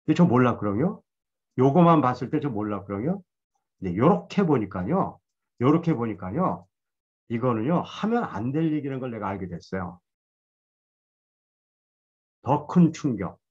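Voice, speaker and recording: Husky guy teaching a bible class, voice jumps around a lot, muffled lo-fi audio. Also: mid-range voice, big pitch swings, moderate pace, long pauses, darkish tone. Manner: conversational, self-deprecating storytelling. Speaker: Bible study lecturer. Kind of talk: Bible lecture.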